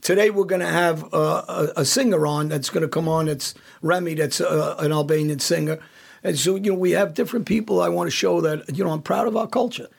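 Gravelly guy on a podcast, kinda husky, blunt and emphatic, keeps restarting. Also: on the high side, a little fast. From United States. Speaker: podcast host. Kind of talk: casual chat.

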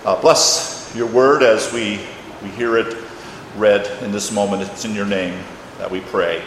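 A man's voice: fairly low pitch, steady tone, measured pace. An older man, a retired pastor, praying and reading a sermon in a church with solemn, emphatic phrasing. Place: church, during a service. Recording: echoey hall, long reverb, faint noise.

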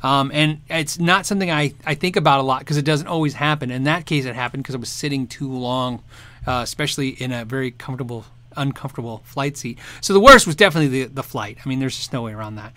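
A man's voice: mid-range voice, fast talker, sharp tone, no room sound. A man hosting a guitar show, chatting casually and answering viewer questions, rambling and restarting sentences and laughing often. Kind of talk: casual live chat.

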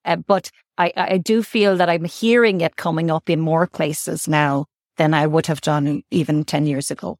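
Woman, doctor, interview guest, thoughtful, lowish pitch, dry sound. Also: fairly even intonation, normal speed, hardly any pauses, darkish tone, no echo. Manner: thoughtful, repeats words as she thinks. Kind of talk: interview answers.

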